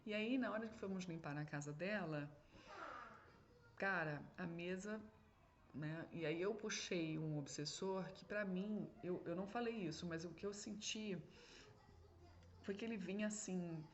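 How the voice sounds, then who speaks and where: A woman's voice: fairly low pitch, a little slow. Chatty woman medium, lo-fi. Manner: rambling, with frequent "né?" and "entendeu?" asides. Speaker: spiritual medium. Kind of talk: casual storytelling monologue. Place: home.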